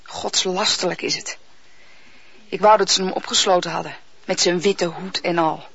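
An actress playing a gruff, lonely young woman who gives lessons to a boy, in an old radio drama. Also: on the low side, steady tone, moderate pace, a bit bright, dull audio, exaggerated voice. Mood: irritated.

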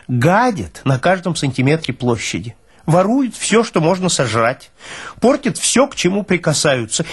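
Fussy male army medic played by a man, self-pitying and theatrical, raised swooping pitch, clouded voice over faint music. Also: husky, full character voice. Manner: pleading, lamenting, theatrical.

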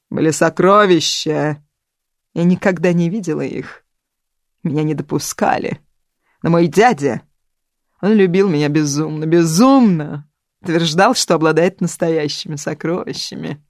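An audiobook reader voicing a theatrical, self-pitying older woman who speaks loudly and drags out her complaints. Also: mid-range voice, dry recording, clean studio sound, lightly acted. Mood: wistful, dramatic. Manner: melodramatic, loud and drawn-out.

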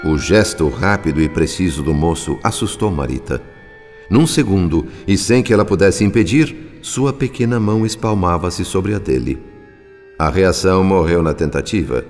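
A man narrating a radio drama in a measured, solemn style. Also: deep voice, darkish tone, long reverb tail, soft background music.

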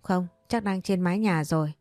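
A woman's voice: on the low side, moderate pace, darkish tone, dry recording, clean studio sound, natural voice. A woman voicing an earnest young man of twenty-seven who is haunted by a ghost, in a spoken ghost story.

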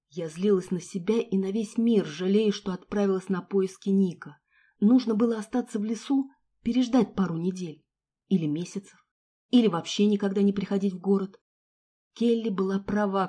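Woman with a mellow narrating voice. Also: mid-range voice, breathy edge. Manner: expressive storytelling. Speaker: audiobook narrator. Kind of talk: scripted first-person narration.

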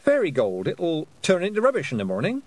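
A man voicing a young witch girl who speaks softly and carefully. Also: a little high, huge pitch swings, brisk, no room sound, voice pushed up. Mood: thoughtful.

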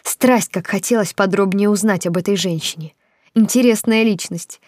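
A woman narrating a novel in the first person, with even, expressive storytelling. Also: medium pitch, moderate pace, dry recording, clean studio sound. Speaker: audiobook narrator.

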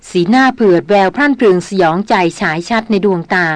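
A woman narrating a novel as an audiobook in a steady, expressive reading voice. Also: medium pitch, fairly quick, no room sound.

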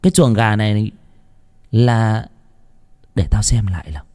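A man voicing an older village woman who is a spirit medium, explaining slowly and matter-of-factly. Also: lowish voice, mellow, lightly acted. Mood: calm, knowing.

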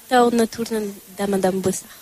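A young woman student from Porto, answering hesitantly with pauses and fillers. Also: mid-range voice, steady tone, poor audio. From Portugal, Porto. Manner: hesitant, soft-spoken, with fillers. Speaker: student interviewee.

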